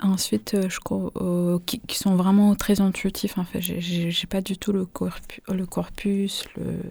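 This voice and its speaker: A woman's somewhat breathy voice, dark and mellow in tone, with fairly even intonation. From Belarus. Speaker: novelist. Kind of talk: interview. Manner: halting.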